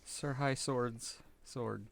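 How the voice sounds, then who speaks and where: A man's voice: medium pitch, steady tone, very slow, vocal fry. A man joking casually as a player in a tabletop roleplaying game podcast.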